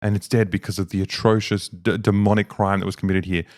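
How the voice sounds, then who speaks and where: A man voicing an eerie old woman at a church, talking in a soft, insistent murmur. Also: fairly low pitch, level tone, fast, lightly acted. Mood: eerie hushed.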